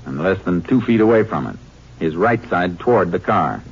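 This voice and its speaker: An actor playing a steady, shrewd Texas Ranger investigator in a matter-of-fact, authoritative 1950s radio western style. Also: male voice, low-pitched, normal speed, breathy edge, heavily acted. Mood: firm. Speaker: lead actor and narrator. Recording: noisy, clicking, muffled 1950s radio recording.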